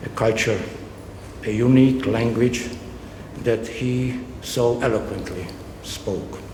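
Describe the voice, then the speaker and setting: A man with a Hungarian accent speaks very slowly at a medium pitch, in a flat monotone with long, frequent pauses. Noticeable background noise and audible room echo fill the recording. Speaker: speaker at a book launch. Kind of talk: commemorative speech, partly read out. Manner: halting, many filler sounds.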